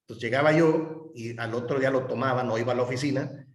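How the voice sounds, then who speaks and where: A man's voice: medium pitch, fast. A middle-aged man, a pastor teaching a class and telling personal stories in a candid, conversational way. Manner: conversational and candid, with fillers and chuckles. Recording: roomy echo.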